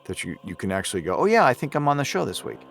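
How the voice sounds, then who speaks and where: A man's voice: medium pitch, big pitch swings, racing, creaky, a bit bright. A man speaking as a guest voice actor in a casual podcast chat, hesitant and meandering, a little self-deprecating.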